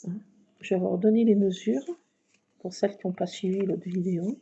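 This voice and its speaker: Hushed gravelly-voiced woman crafting at home. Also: mid-range voice, fairly even intonation, a little fast. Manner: hushed, often drops to a whisper; chatty, rambling asides. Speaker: craft video maker. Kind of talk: casual craft tutorial. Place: home at night. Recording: muffled lo-fi with faint noise.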